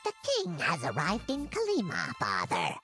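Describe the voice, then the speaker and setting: A woman voicing a dutiful nun who serves a villain in a fan-made adventure game, speaking in a deferential, measured way. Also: lowish voice, wildly swooping pitch, a bit bright, faint music behind.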